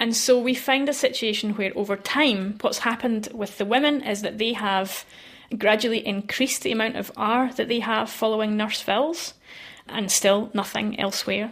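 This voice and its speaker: A woman has a normal speaking voice at a fairly high pitch. She talks at a moderate pace with fairly even intonation. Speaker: linguist. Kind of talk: interview explaining research.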